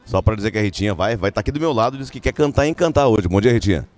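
A man with a Rio Grande do Sul accent reporting live for a radio show, chatty and lively. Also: lowish voice, rapid-fire. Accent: Rio Grande do Sul Portuguese. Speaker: field reporter.

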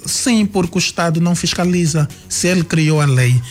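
A man, a radio guest answering questions thoughtfully with many pauses, fillers and restarts. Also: a little high, faint music behind. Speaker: guest writer.

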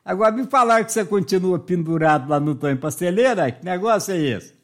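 A man's voice: sits high, animated, fast talker. A man from hosting a playful morning radio show, joking and teasing callers and friends. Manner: jokey, teasing, laughing a lot. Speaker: radio host.

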